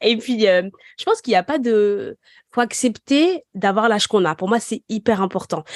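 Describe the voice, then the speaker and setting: Heard in a dry, close sound with no echo, a woman has a plain, everyday voice. She talks at a moderate pace with a fairly high pitch and lively intonation. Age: 30s. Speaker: podcast host and author. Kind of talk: casual chat. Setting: video call.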